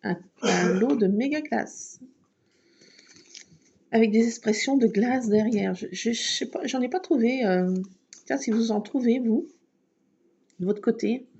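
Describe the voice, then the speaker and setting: Woman craft vlogger, mellow and gravelly, chatty and self-deprecating, dull lo-fi home recording. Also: on the high side, unhurried, long pauses. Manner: chatty, self-mocking, laughs often. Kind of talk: casual chat while crafting.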